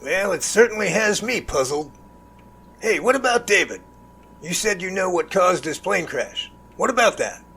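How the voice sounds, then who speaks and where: A man's voice: high-pitched, animated, normal speed, gravelly, bright, forceful tone, husky, exaggerated voice. A man playing a puzzled, intrigued confidant asking questions in an amateur audio drama, with an inquisitive, musing manner. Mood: puzzled, curious.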